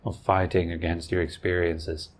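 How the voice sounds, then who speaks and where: A man leading a guided meditation as a teacher, speaking gently in short phrases with long pauses. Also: deep voice, little pitch movement, slight background noise.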